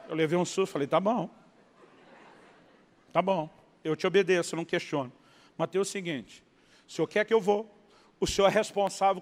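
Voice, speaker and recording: A man from Brazil preaching a sermon as a pastor, telling a story with lively acted-out dialogue. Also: sits high. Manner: animated storyteller, acting out dialogue, laughing at punchlines. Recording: long hall reverb.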